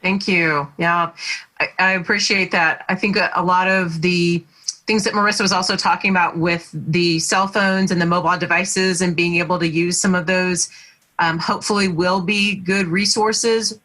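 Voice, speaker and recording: Woman, panel moderator, appreciative, mid-pitched voice. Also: a bit bright. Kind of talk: webinar panel discussion.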